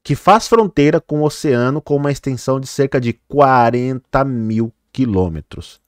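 Talking over news footage in a relaxed vlog, this man peppers his speech with fillers such as "né" and "olha, gente," addresses viewers directly, and stumbles on tricky names before fixing them. His voice is medium-pitched at a normal speed, and the sound is close and dry without room echo.

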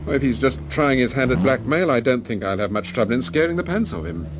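An actor playing a suave, genial gentleman detective in a radio drama, speaking politely and with assurance in a British accent. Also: medium pitch, animated, fast, background noise, lightly acted. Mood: assured.

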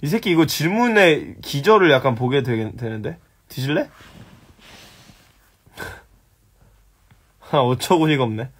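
A man's voice: mid-range voice, slightly rough. A young man hosting a casual live stream, answering viewer questions bluntly, teasing and swearing at them. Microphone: phone.

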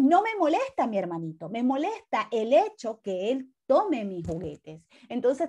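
A woman's voice: high voice, a little mellow. A woman, a teacher giving an online religion class to children and explaining with repeated examples over a video call.

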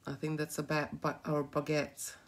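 Low-voiced Hungarian woman teaching beading. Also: monotone, moderate pace. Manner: chatty, giggly, rambling asides while working. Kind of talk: live beading tutorial. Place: indoor craft table.

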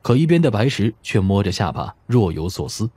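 A man's voice: lowish voice, very animated, fairly quick, mellow, husky, dry recording. A man narrating a novel in a scripted, dramatic audiobook style.

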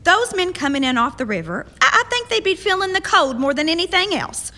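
An actress plays a headstrong, hospitable pioneer woman in a radio drama. Her bright voice rises and falls freely as she argues and teases in earnest. It carries a long, hall-like reverb. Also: extremely high pitch, sing-song, fairly quick, exaggerated voice. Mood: earnest, coaxing. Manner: earnest, teasing, argumentative. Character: spirited, persistent, hospitable frontier woman. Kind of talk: period radio drama acting.

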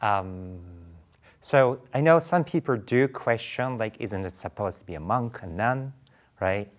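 Soft-spoken Japanese-accented man. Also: on the low side, animated, unhurried. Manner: thoughtful, many fillers and restarts. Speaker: Buddhist priest guest. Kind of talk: interview answers. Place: studio interview set.

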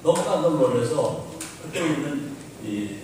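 An older man, a pastor, giving an animated welcome speech to his congregation and counting off his points with rising emphasis. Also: fairly high pitch, measured pace. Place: large church hall with seated congregation. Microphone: podium mic, recorded from the audience by a far camera. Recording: distant, very echoey hall with audience noise.

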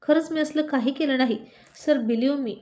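A young male college student, flustered and indignant, protesting his innocence in a narrated story, as a woman reads him. The voice sits fairly high, in the teller's own plain tone. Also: normal speed, dark tone, close to an everyday voice. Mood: pleading. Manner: protesting, pleading.

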